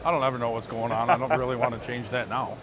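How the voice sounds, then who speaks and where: Fast-talking joking man on a show floor. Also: medium pitch, flat delivery, music in the background. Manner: joking, self-deprecating quips. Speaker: magazine editor. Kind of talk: casual trade show walkthrough. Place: busy indoor trade show floor.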